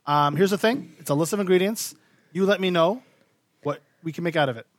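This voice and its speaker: High-voiced playful man, dry sound. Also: no echo. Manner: playful, hyping, halting with many fillers. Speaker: podcast co-host, quiz master. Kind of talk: casual chat.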